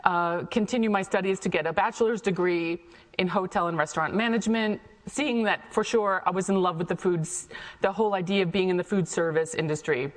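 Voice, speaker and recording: A woman's voice: lowish voice, fairly quick. A middle-aged woman with an American accent gives a chatty, informal talk about her own life to an audience. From Ohio, United States. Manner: chatty, conversational. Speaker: guest speaker, chef and cafe founder. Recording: echoey hall, long reverb.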